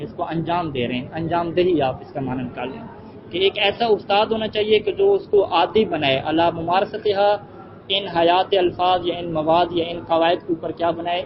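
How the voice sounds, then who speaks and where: A man teaching a class in a high voice, posing questions and answering them himself as he goes through an Arabic text. The recording is dull and muffled, with steady noise behind him. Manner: asks rhetorical questions and answers them, reads Arabic phrases slowly. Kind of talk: classroom lecture explaining an Arabic logic text. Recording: muffled with heavy background noise.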